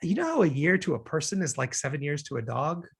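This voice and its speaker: An actor as a defensive, very expressive man. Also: a little high, fast talker, gravelly. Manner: argumentative, self-justifying. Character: defensive, exasperated man arguing with his lover. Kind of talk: virtual table read of a romantic comedy screenplay.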